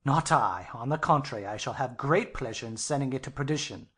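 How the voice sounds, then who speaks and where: A woman's voice: a bass voice, lively intonation, fairly quick, a bit bright, husky, voice pushed down, exaggerated voice. A woman voicing a blasphemous drunken man in an audiobook, pompous, taunting and defiant. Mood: mocking, defiant. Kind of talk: audiobook character acting.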